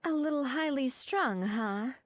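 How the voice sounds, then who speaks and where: A woman's voice: high voice, animated, a little slow, no room sound. A woman playing an easygoing, generous young female ally in a video game, casual and reassuring. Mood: thoughtful. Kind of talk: English video game voice acting.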